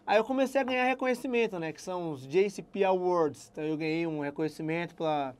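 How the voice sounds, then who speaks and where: A young man from Salvador with a Bahian accent, a guest telling his career story in relaxed casual chat and laughing at himself. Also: high-pitched, quick pace, smooth. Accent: Bahian Brazilian Portuguese. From Salvador, Brazil. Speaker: guest software engineer.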